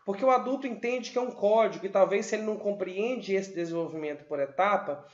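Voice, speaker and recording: A man's voice: sits high, quick pace, reverberant, muffled recording. A man teacher giving a literacy lesson at a whiteboard, spelling out sounds and syllables one by one. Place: room with a whiteboard.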